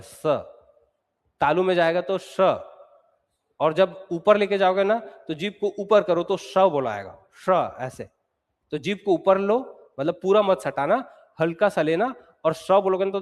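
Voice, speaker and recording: A male teacher giving an exam-prep lecture, explaining step by step and repeating sounds aloud to drill them. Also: high voice. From Chhattisgarh, India. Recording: long hall reverb.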